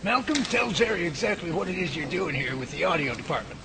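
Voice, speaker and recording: A man playing a gravelly lab boss. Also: high voice, fast. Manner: steady, explanatory tour guide. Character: Bigfoot lab head giving a tour. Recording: noisy home-made audio drama.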